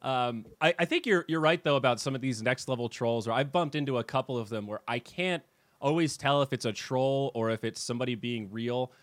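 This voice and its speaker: A man's voice: mid-range voice, fairly quick, no room sound. A man hosting a podcast in casual chat, rambling and thinking aloud as he goes. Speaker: podcast host.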